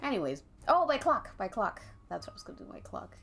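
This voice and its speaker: A woman's voice: medium pitch, fast talker, creaky. A young woman with a congested, stuffy nose, chatting casually and rambling to her chat while she draws, laughing often. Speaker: art streamer. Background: faint calming jazz music.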